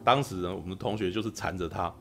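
A deep-voiced man in his forties talks fast as a podcast co-host in a casual chat. He's an animated storyteller with a habit of asking "you know?" again and again.

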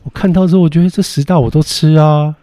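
A man's voice: fairly high pitch, fairly even intonation, fast talker, warm tone, no echo, clean studio sound. A man with a Taiwanese Mandarin accent bantering casually as a podcast co-host, reluctant and contrarian, with an exasperated way of talking.

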